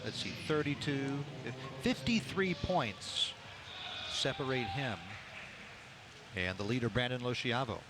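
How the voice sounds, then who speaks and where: A man's voice: medium pitch, expressive, unhurried, over music. A man doing live play-by-play sports commentary in a factual announcer's delivery, setting out standings and scores. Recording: noisy indoor sports venue ambience. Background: venue noise.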